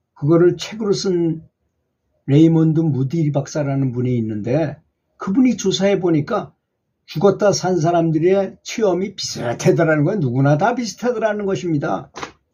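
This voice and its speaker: This man has a high voice with a dark, mellow tone. He talks at a moderate pace with lively intonation. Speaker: meditation and well-dying lecturer. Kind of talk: spoken Buddhist dharma talk. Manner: casual, conversational storytelling.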